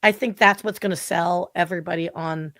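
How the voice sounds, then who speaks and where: This podcast guest is a marketing consultant in her forties whose voice runs on the low side. She speaks briskly in a relaxed interview, lively and talkative, with plenty of "like" fillers. The recording is dry with clean studio sound.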